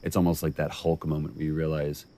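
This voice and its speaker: Very low male voice, relaxed rambling commentary, actor reflecting on his work. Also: fast. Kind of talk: casual commentary chat.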